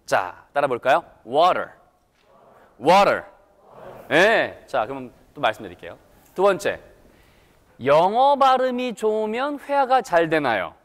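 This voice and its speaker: A man's voice: a little high, very animated, normal speed. A man giving a playful English lesson to a live audience, coaxing them to repeat after him. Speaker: English lecturer. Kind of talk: lively public lecture to an audience. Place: lecture hall. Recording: reverberant hall.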